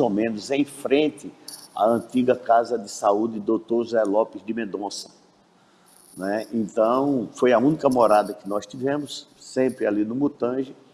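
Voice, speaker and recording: A man with a medium-pitched voice speaks fairly slowly with ordinary pitch variation. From Alagoas, Brazil (Maceió). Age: 60s. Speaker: football club president. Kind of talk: interview. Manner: halting.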